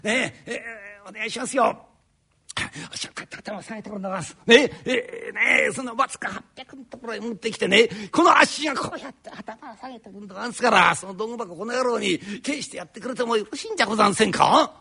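A male rakugo storyteller voicing a fiery middle-aged master carpenter in rough Edo downtown speech, shifting from polite pleas to a rapid stream of insults. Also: very high voice, sharp tone, full character voice. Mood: pleading politely. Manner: polite pleading turning into a fast, rough tirade.

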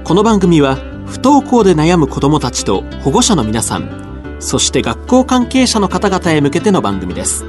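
A man hosting a radio program as its announcer, reading a polite, measured script in a studio. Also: a little high, wildly swooping pitch, over music. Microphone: studio microphone.

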